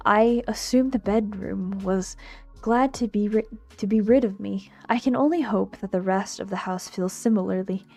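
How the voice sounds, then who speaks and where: A woman voicing a prim, wry young villainess from a visual novel, with formal, measured diction. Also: mid-range voice, darkish tone, natural voice. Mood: wry, hopeful. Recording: music behind the voice.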